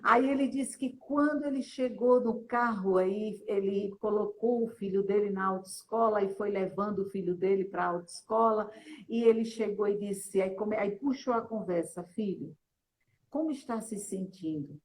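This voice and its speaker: A woman's voice: medium pitch, fairly even intonation, normal speed, a little hiss or hum, poor audio. A woman, a Christian inner-healing speaker retelling a testimony in an earnest way, often ending phrases with a questioning tag. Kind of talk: storytelling testimony.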